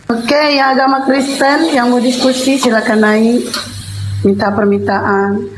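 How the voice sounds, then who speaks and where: A woman with a high voice moderating a debate and calling speakers up in a direct way. Her voice sounds echoey, with clear background noise. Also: level tone, a little slow. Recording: echoey and noisy.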